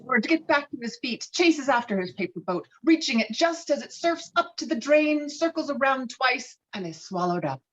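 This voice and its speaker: A woman's voice: sits high, sing-song, moderate pace, hardly any pauses, a bit bright. A woman reading screenplay stage directions as dramatic scripted narration. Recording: slightly dull, lo-fi microphone.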